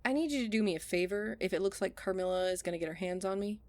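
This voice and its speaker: Woman acting brisk, fast-talking blunt heroine. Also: mid-range voice, natural voice. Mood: impatient. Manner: blunt, impatient, commanding. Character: brisk, blunt, no-nonsense female action heroine. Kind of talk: audio drama comedy acting.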